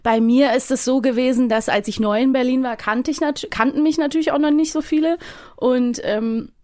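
A young woman chatting casually as a podcast guest, telling anecdotes in an animated way. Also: high voice, moderate pace, no room sound, clean studio sound.

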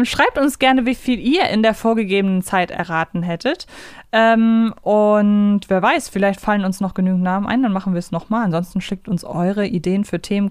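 A woman's voice: mid-range voice, clean tone, no echo. Woman in a dry, close-sounding recording. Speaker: podcast co-host and quiz player. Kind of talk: casual guessing-game chat.

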